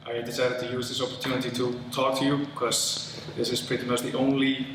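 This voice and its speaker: A man's voice: medium pitch, fairly quick. Man doing stand-up in an echoey hall. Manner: animated, puts on excited voices for jokes. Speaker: first-time stand-up comedian. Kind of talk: stand-up set. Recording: echoey hall, distant mic, noise.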